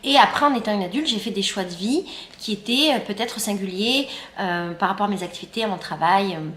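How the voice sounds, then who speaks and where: A woman's voice: medium pitch, a little fast, fairly bright tone, a little hiss or hum. A woman in her thirties from France, chatting casually in a vlog while eating breakfast. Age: 30s. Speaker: YouTuber and guide. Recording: roomy sound with faint ambience.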